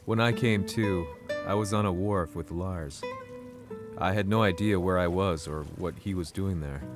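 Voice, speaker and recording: An actor playing a weary middle-aged male journalist, narrating in a measured, reflective way. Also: sits low, over music, close to an everyday voice. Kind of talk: game cutscene narration.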